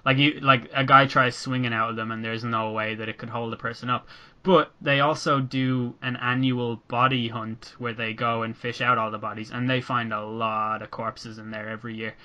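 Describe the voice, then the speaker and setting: A young man talking on a casual podcast, his voice bright and a little forceful. He rambles through his points with lots of fillers and restarts. His jokes run dark and dry. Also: mid-range voice, flat delivery, muffled recording. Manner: rambling, halting, dark humor. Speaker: podcast host. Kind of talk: casual chat.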